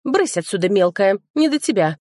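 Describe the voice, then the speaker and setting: A woman voicing a tiny, hot-tempered female fairy who squeals and shouts in a storybook reading. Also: medium pitch, sing-song, moderate pace, no room sound, studio quality. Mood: scolding.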